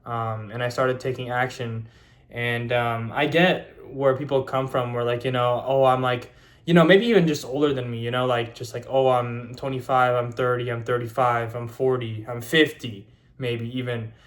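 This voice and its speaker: A man's voice: medium pitch, steady tone, normal speed. A man of twenty talking casually to camera in a vlog, rambling with many fillers and restarts. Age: 20s. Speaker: YouTuber.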